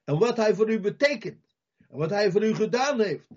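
A man's voice: high-pitched, animated, normal speed, muffled recording. A man preaching a sermon, repeating his key phrases with emphasis and putting questions straight to his listeners. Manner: emphatic, repeats key phrases, acts out Bible scenes with loud cries; addresses listeners directly with questions.

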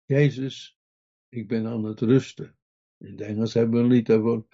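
A man's voice: mid-range voice, fairly even intonation, normal speed, dark tone, muffled recording. A man preaching a sermon earnestly, putting direct questions to his listeners.

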